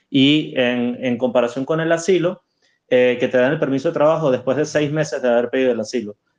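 At a fairly quick pace, a man speaks in a plain, everyday voice at medium pitch with fairly even intonation. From Uruguay. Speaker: caller, prospective migrant. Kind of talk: question in group call. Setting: online voice chat.

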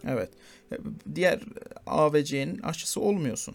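The intonation is lively. A man delivers his words at a fairly slow pace. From Iran. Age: 20s. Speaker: dental student. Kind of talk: casual interview. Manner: hesitant, many fillers.

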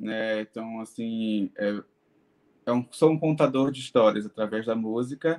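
A man speaks in an ordinary speaking voice at a fairly slow pace and medium pitch, with ordinary pitch variation. The sound is dry and close, with no echo. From Brazil, Belém do Pará. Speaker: singer-songwriter and pediatrician. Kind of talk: casual interview.

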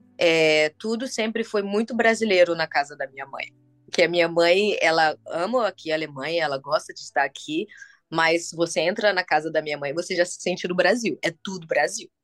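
Over background music, a woman with a fairly low pitch speaks in a dry, close sound with no echo. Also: ordinary pitch variation, moderate pace. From Brazil, Vitória, Espírito Santo. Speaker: businesswoman. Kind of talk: interview. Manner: halting, many fillers; animated.

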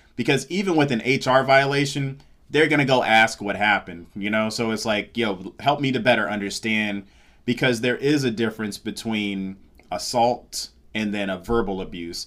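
This unremarkable speaking voice has an American accent and ordinary pitch variation at a moderate pace. The recording is very clean, with a silent background. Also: man, medium pitch for a man. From Seattle, US Pacific Northwest. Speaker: stand-up comedian and podcaster. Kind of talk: casual comedic interview.

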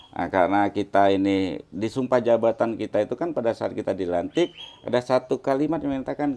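This is a man with a normal speaking voice. He moves at a moderate pace with lively intonation. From South Sumatra, Indonesia. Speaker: regional legislator. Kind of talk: interview.

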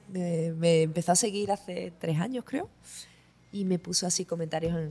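A woman talks at a moderate pace with a fairly low pitch. Her voice is somewhat breathy. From southern Spain, Jerez de la Frontera (Cádiz). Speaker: singer-songwriter. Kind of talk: casual interview chat. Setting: at a golf venue.

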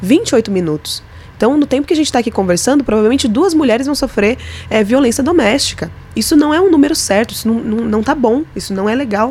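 Very fast and high-pitched, a woman speaks with lively intonation against noticeable background noise. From Araraquara, São Paulo interior, Brazil. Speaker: state legislator. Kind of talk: interview.

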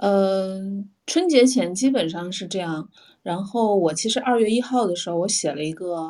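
Over a very clean recording with a silent background, a woman speaks in an ordinary speaking voice. Her pitch is medium, her pace fairly slow and her intonation lively. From northwestern China. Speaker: columnist. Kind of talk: casual chat.

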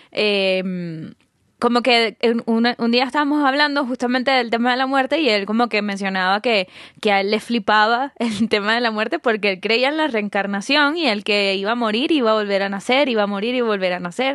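With an unremarkable speaking voice, a woman talks at a moderate pace. Her loudness stays very even, with ordinary pitch variation. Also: fairly high pitch for a woman. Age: 30s. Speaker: dentist on a volunteer trip. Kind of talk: casual chat.

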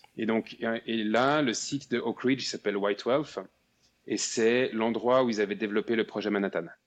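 The background is quiet. A man with an unremarkable speaking voice talks at a medium pitch and moderate pace with fairly even intonation. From Switzerland. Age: 40s. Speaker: travel consultant. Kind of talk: interview.

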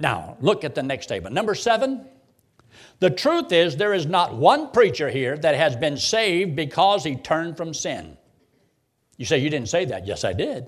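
This man's fairly high voice makes very wide pitch swings, with vocal fry, at a moderate pace. The recording is very clean, with a silent background. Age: 70s. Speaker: preacher. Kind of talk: sermon. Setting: church.

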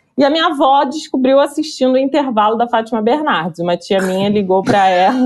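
A woman with a normal speaking voice, lively intonation and a fairly quick pace. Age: 20s. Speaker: polyamorous guest talking about relationships. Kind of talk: casual chat.

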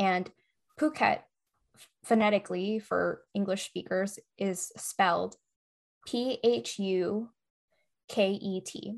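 At a very slow pace full of long, frequent pauses, a woman speaks at medium pitch with ordinary pitch variation and an American accent. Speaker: podcast co-host. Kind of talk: casual chat. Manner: slurring words.

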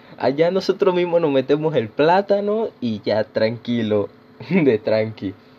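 Over noticeable background noise, a man speaks at a fairly slow pace with a fairly high pitch and very wide pitch swings. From Panama. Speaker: streamer and podcaster. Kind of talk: casual live-stream chat. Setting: live stream.

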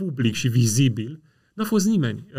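A man is speaking. His pitch swings very widely. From Romania, Dâmbovița county. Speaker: theology professor. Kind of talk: casual interview, life story.

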